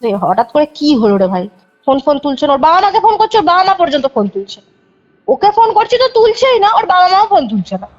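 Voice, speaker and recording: A woman's voice: very high voice, sing-song, fast talker. A young woman calling in to tell a ghost story in casual chat, rambling and correcting herself as she recounts it. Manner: rambling, self-correcting, vivid retelling. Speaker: caller telling a ghost story. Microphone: phone. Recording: muffled phone call.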